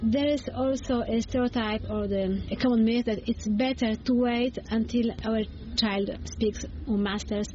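Higher-voiced Polish-accented woman, softly mellow. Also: fairly even intonation, a little slow, few pauses. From Poland. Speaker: interview guest, bilingual education coach. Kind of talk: explanatory interview talk. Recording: dull sound with faint background noise.

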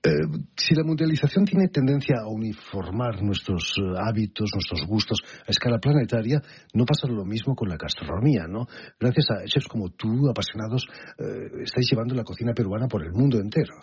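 A man hosting a radio interview, speaking in a polished, measured presenter manner. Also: on the low side, animated, breathy edge. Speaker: radio host. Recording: muffled broadcast audio with faint music.

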